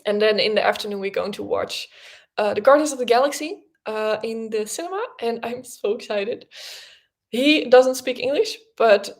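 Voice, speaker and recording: A woman's voice: fairly high pitch, normal speed. Young woman host, native Dutch speaker, loose chatty delivery with fillers and restarts. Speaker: podcast host. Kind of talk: casual livestream chat.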